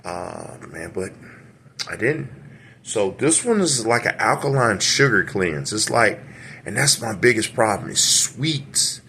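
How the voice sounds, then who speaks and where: A man's voice: animated, a little slow, vocal fry, sharp tone, a little hiss or hum. A middle-aged man vlogging from home to a camera he set up, talkative and rambling with lots of fillers and restarts. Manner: drops into a deep put-on radio voice. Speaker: vlogger reviewing a product. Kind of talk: rambling casual vlog. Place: home room. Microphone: camera set up nearby.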